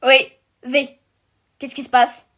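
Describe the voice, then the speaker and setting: A woman's voice: high voice, level tone, takes it slowly, fairly bright tone, full character voice. A woman playing a female robot squad leader in a cartoon fan dub, chirpy with office jargon and brittle professional composure. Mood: self-assured. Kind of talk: scripted fan dub of an animated series.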